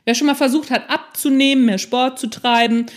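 A woman's voice: high voice, fairly even intonation, fairly quick. A woman hosting a solo podcast in an informal, conversational way, addressing the listener directly with self-deprecating humour. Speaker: podcast host and non-fiction author.

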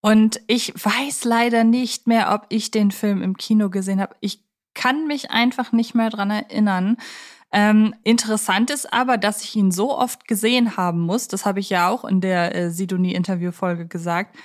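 A woman's voice: medium pitch, steady tone, moderate pace. A woman hosting a podcast in a conversational style, explaining things at chatty length. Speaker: podcast host; film journalist.

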